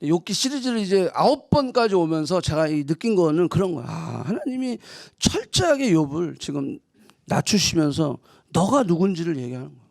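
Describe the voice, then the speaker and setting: A woman pastor giving a conversational sermon, moving between soft asides and loud emphatic bursts, and acting out teasing mock quotes. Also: on the low side, very animated, normal speed, gravelly, dry recording, studio quality.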